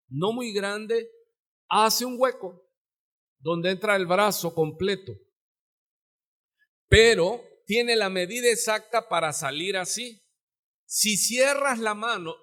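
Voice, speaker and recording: A Mexican man preaching a live sermon as pastor in his church, swinging from sudden shouts to quiet asides. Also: high-pitched. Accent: Mexican Spanish. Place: church sanctuary.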